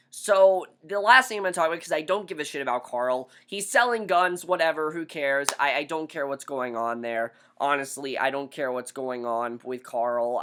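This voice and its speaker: A man casually reviewing a TV episode, blunt and opinionated, his voice hoarse after being sick. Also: mid-range voice, bright, forceful tone. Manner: blunt, opinionated, repeats himself. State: hoarse from recent illness.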